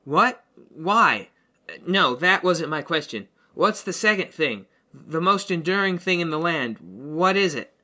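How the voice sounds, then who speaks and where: Woman playing earnest young quest hero, low bright forceful voice, kinda unsure, asks a lot. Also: expressive, measured pace, dull audio, exaggerated voice. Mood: puzzled. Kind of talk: scripted audio fiction acting.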